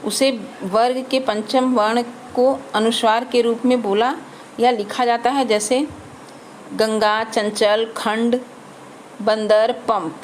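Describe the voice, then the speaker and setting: Speaking in a steady tone and a somewhat high voice, a woman walks through a grammar lesson very slowly. She spells out each letter and each example word in turn, with a faint hiss of background noise underneath.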